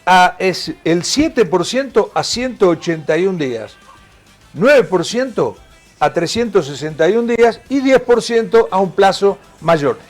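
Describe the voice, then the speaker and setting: An Argentine man co-hosts a morning TV talk show, bantering casually in an Argentine Spanish accent, joking around and reading out ad figures. His voice sits high and is expressive and unhurried, with faint music in the background.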